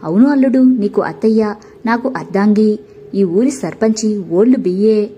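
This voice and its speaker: A woman voicing a loud, excited middle-aged village uncle who calls out heartily. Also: medium pitch, a little slow, muffled recording, slight background noise, lightly acted. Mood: hearty.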